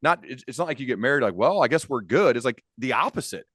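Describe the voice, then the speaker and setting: A man's voice: mid-range voice, lively intonation, quick pace, a bit bright, breathy edge, no room sound, studio quality. A man hosting a conversational interview, speaking earnestly and repeating phrases for emphasis. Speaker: podcast host, interviewer.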